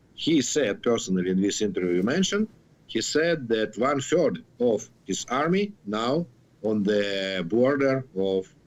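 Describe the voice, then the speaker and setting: A man with a strong Ukrainian accent, lively intonation and a fairly slow pace. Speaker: political strategist. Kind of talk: interview answer.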